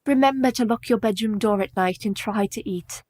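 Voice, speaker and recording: An actress playing a caring, composed young woman who speaks in steady, formal period English in a radio play. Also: medium pitch, normal speed, no echo, close to an everyday voice. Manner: steady, reassuring, formal speech.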